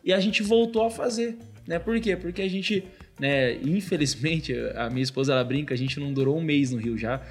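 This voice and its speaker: A young man with a Brazilian accent shares a personal faith story as a guest. He talks at a rapid clip in a casual way and keeps dropping "cara" into his sentences. Faint music plays softly underneath. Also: a little high, slightly rough. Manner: fast, fills speech with "cara". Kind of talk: casual testimony.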